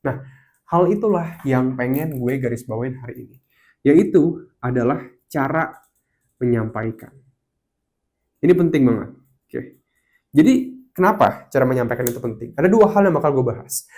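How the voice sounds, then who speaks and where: A young man talking casually to camera, giving advice and telling stories, acting out quoted lines with sudden jumps in pitch. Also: normal speed, long pauses. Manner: animated storytelling, acts out quoted lines with sharp pitch jumps. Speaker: host.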